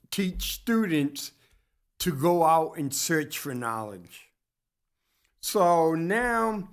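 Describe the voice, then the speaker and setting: Man, community TV host, lecture-style commentary, halting, self-correcting, very slow pace. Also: sits high. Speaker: host of a local community TV talk show.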